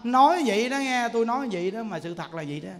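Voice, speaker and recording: Male Buddhist preacher, high-pitched and animated, long temple-hall reverb. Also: fast talker. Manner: animated, folksy, keeps asking the listeners if they understand. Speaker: Buddhist teacher giving a dharma talk. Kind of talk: sermon.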